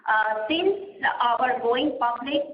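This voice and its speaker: A woman, a company executive answering questions on an earnings call in a measured, explanatory way, pausing often with "uh". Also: fairly high pitch, a little hiss or hum. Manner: measured, explanatory, frequent "uh" pauses. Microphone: conference call line. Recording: roomy, slightly muffled conference line.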